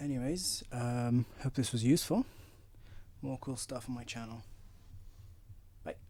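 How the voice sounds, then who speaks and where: Dark, mellow male voice at a moderate pace. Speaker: tech video maker reviewing gear. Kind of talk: product test demonstration. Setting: quiet indoor room. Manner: hesitant with many fillers.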